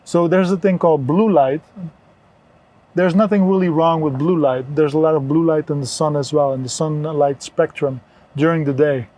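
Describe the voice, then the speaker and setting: Higher-voiced mellow man from Belgium, explaining earnestly. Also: fairly even intonation, normal speed, low-quality recording. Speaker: interview guest, wellness entrepreneur. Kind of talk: conversational health advice.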